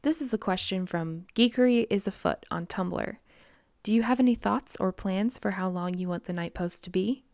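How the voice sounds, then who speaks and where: Creaky-voiced woman on a podcast. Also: mid-range voice, moderate pace, darkish tone, no echo, studio quality. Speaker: podcast co-host. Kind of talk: conversational Q&A.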